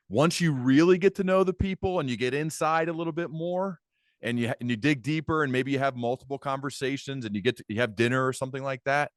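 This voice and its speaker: A man's voice: mid-range voice, dry recording, clean studio sound. A man hosting a conversational interview podcast, thinking aloud enthusiastically with emphatic repetition. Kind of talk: conversational long-form interview.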